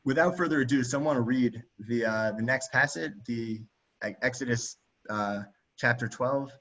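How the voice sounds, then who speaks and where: A man's voice: medium pitch, a bit bright. A man leading a group text study over a video call, talking casually with many fillers and restarts. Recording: dull, lo-fi video call audio.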